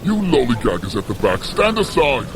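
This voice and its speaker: An actor playing a gruff, suspicious frost giant gate guard in an audio drama, barking commands. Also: male voice, medium pitch, very animated, normal speed, noisy background, natural voice. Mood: bossy, suspicious.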